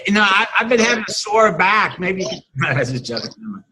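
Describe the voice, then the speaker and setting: A man, a teacher chatting casually and haltingly with many restarts and fillers. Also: sits high, sing-song, noisy background. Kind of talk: casual video-call chat.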